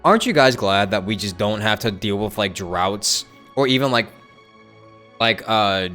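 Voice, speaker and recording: A man's voice: lowish voice, animated, moderate pace, bright, forceful tone, faint music behind. A man streaming a video game, giving casual commentary with wry, joking asides.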